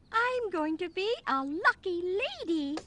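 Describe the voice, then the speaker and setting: A woman's squeaky, cartoonish character voice at an extremely high pitch and a fairly slow pace. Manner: cheerful, sweet.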